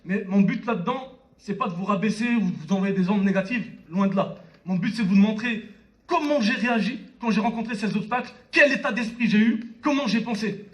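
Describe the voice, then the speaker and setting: A young man in his twenties delivers a motivational speech from a stage, picked up from some distance. His voice sits high for a man, and he talks straight to his listeners with personal anecdotes and frequent short check-ins. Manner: direct audience address with repeated check-in tags. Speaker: motivational speaker at a network marketing conference. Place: on stage in a conference hall. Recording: live stage talk, distant from mic.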